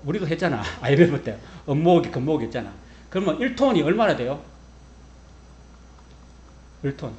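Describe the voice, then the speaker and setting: A male pastor preaching a sermon, telling the story in a lively, humorous way and acting out the quotes. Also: a little high.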